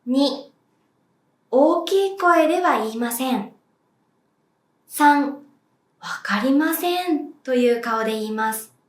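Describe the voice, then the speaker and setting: Woman teacher going slow and clear, high voice, kinda echoey room. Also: animated. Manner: clear, deliberate, demonstrates sounds for the viewer to repeat. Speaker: Japanese language teacher. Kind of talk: slow, clear pronunciation lesson.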